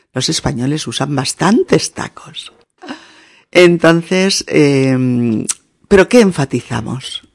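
A man from Spain teaching a podcast language lesson, speaking deliberately and checking in with listeners. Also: medium pitch, vocal fry. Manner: slow, deliberate, spells words out letter by letter; checks in with listeners with short "¿m?" prompts.

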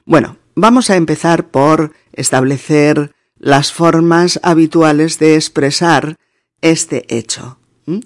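A woman's voice: low voice, takes it slowly, a little mellow, no room sound, clean studio sound. A woman with a Spain Spanish accent hosting a teaching podcast, repeating words and spelling them out letter by letter.

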